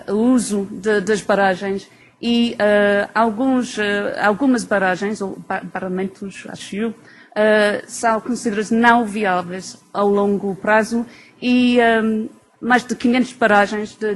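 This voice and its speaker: A woman researcher from England delivers an academic lecture in Portuguese with an English accent. Her voice sits at a middle pitch, and she often hesitates and rephrases as a non-native speaker does. Faint background noise runs behind the talk. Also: low-quality recording. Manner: hesitant, searching for words in a second language.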